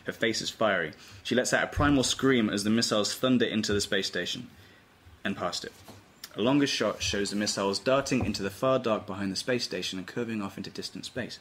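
A man's voice: on the low side, a bit bright. A man giving scripted narration, reading stage directions at a table read. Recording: faint room noise.

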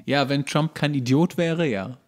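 A man's voice: a little high, unhurried. A man co-hosting a casual podcast, bantering with a friend in a dry, mock-confident way. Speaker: podcast co-host.

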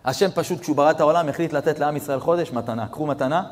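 A man, a rabbi, giving a storytelling sermon that swings between hushed passages and near-shouted peaks, talking straight to his audience. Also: a little high. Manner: addresses audience directly. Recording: long reverb of a hall.

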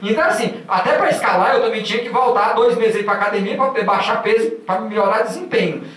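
Fast, high-voiced Northeastern Brazilian man. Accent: Northeastern Brazilian Portuguese. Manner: energetic, humorous, walks the stage. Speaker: motivational speaker. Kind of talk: motivational talk. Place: large auditorium. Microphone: handheld mic. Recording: echoey hall from far off.

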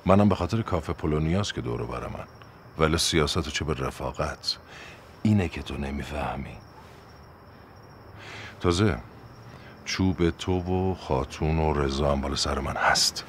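An actor playing a stubborn, sarcastic uncle in a period TV drama, blustering and indignant. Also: male voice, a bass voice, a little hiss or hum. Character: stubborn sarcastic middle-aged uncle, innkeeper host.

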